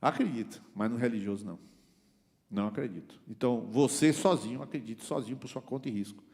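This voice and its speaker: A man preaching a church sermon. He swings from loud, high exclamations to quiet, low asides and keeps asking the congregation questions. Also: fast, long reverb tail. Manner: talks straight to the congregation with rhetorical questions. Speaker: pastor.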